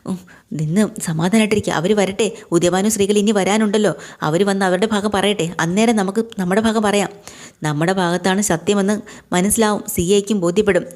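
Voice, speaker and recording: A woman's voice: medium pitch, fairly even intonation, fairly quick, a little mellow, natural voice. A woman voicing a patient middle-aged father who reassures his worried family, in her own everyday voice. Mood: soothing.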